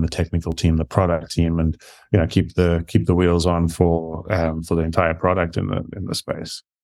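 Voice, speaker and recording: Music plays in the background as a man speaks with a very deep, low pitch. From South Africa. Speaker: chief operating officer. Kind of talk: conversational interview.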